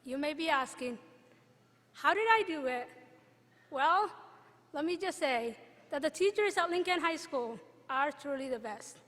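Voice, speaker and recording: A young woman from Somalia giving a graduation speech as the student commencement speaker, in an earnest, measured way with deliberate pauses. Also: sits high, expressive, fairly bright tone, slight background noise. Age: young adult. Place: large hall. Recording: long reverb of a big hall.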